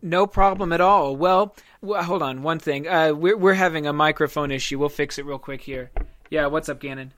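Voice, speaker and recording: A man's voice: fairly high pitch, normal speed, a bit bright, dry recording. A man hosting a casual podcast interview in an easygoing, friendly way. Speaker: podcast host.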